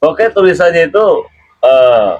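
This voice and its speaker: A man's voice: fairly high pitch, very animated, measured pace, a little mellow, no echo, highs cut off. A man hosting a live stream, telling a rambling story with frequent chuckles and questioning a child. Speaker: channel host.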